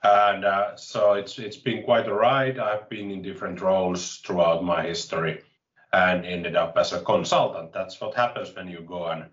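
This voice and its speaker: A man in his late forties from Finland with a Finnish accent, chatting as an interview guest in a halting way, often restarting phrases, with wry self-mockery, heard over a video call. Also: low voice, steady tone, a bit bright, roomy sound, far from the mic, highs cut off. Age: late 40s. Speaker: interview guest, tech consultant. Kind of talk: casual interview chat.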